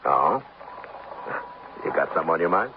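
An actor playing a blunt police lieutenant who speaks brusque and plain in 1950s radio acting. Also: male voice, sits low, big pitch swings, moderate pace. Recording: tinny, lightly hissy old radio broadcast.

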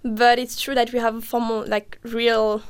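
A woman's voice: fairly high pitch, flat delivery, unhurried, clean tone. A young woman from France, French her first language, a guest on a radio show, searching for words with many fillers. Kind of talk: casual radio chat.

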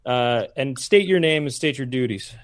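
A man's voice: mid-range voice, lively intonation, moderate pace. A man co-hosting a podcast, chatting informally and introducing people on a video call. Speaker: podcast co-host.

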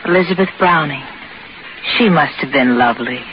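A woman's voice: low-pitched, moderate pace, background noise, natural voice. A woman playing a tender, helpless invalid wife who pleads selflessly, in 1940s radio drama style. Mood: gentle, wistful. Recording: muffled 1940s radio recording, music behind.

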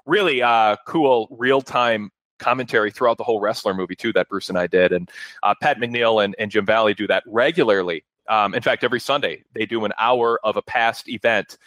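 A man hosting a casual talk radio show in a wordy, halting, rambling way. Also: on the low side, fairly bright tone, dry recording. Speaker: show host.

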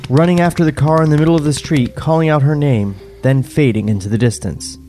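A man's voice: a little high, a little fast, mellow, faint music behind. A man co-hosting a comedy podcast, reading out screenplay stage directions and wryly questioning the plot. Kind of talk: casual comedic chat and script narration.

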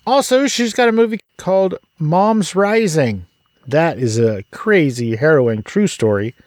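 A man's voice: on the high side, animated, a little slow, no room sound. A man hosting a podcast, introducing his guest in an upbeat, chatty way and asking her questions. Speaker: podcast host. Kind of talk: casual interview.

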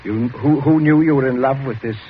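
A man's voice: mid-range voice, fairly quick, close to an everyday voice. A man playing an icy, domineering squire father. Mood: interrogating. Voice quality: clipped, commanding, icy. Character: cold, domineering country squire father, magistrate. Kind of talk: 1940s radio drama acting. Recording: muffled old radio broadcast with hiss.

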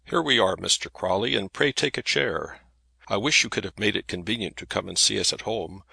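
A hearty, talkative middle-aged solicitor, as a man puts him on, bluff and friendly. The voice sits low and gravelly, with a forceful edge and a husky grain. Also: a little fast, no room sound, heavily acted. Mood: cheery.

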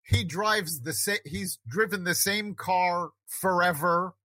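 A man's voice: sits high, slow pace, bright, forceful tone, no room sound. A man hosting a conversation, talking earnestly and reflectively about self-improvement, with frequent restarts. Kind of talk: casual conversation.

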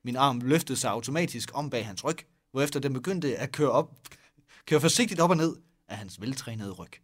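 A man's voice: medium pitch, animated. A man reading a story aloud in a mock-dramatic way, joking and laughing with a co-host. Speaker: podcast co-host reading fan fiction aloud. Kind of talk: comic read-aloud with banter.

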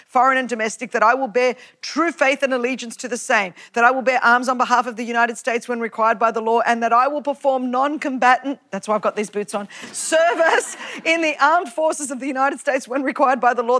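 A middle-aged Australian woman preaches with a slightly high voice. She tells her story in an animated way and laughs often as she talks. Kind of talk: sermon.

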